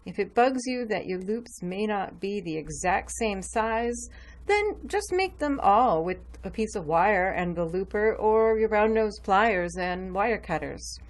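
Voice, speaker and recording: A woman's voice: mid-range voice, slight background noise. A woman hosting a jewelry-making tutorial, chatting casually as she shows each step with her hands at a craft table. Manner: chatty, explains while working with her hands. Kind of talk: relaxed step-by-step craft demonstration.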